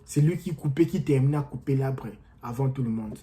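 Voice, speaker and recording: A man's voice: mid-range voice, brisk, dark tone. A man talking casually and with animation to viewers he calls his friends, giving motivational advice and telling a story. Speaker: vlogger and coach. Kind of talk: casual motivational talk to camera. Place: living in the United States.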